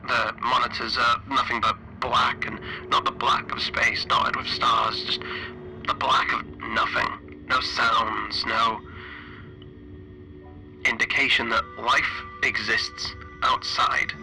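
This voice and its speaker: A man playing an anxious, isolated spaceship engineer recording log entries, halting and stammering, his phrases trailing off breathily. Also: medium pitch, sharp tone, low-quality recording. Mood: haunted, uneasy. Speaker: player of a solo tabletop horror game. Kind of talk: in-character audio log, dramatic monologue.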